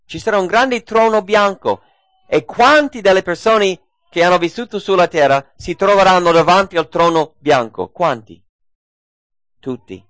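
A man's voice: high-pitched, fairly bright tone, no room sound. A man preaching a sermon, repeating key phrases and asking rhetorical questions.

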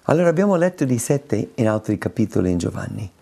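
A man's voice: on the low side, sing-song, quick pace, creaky, warm tone. A man preaching a sermon in an emphatic way, repeating words for stress.

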